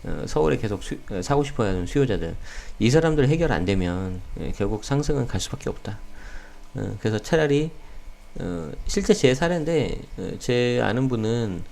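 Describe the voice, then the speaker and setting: A man hosting a daily real estate news talk, slightly hoarse, speaking casually with many fillers. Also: medium pitch, moderate pace. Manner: relaxed, many fillers, talks straight to viewers. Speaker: real estate channel host.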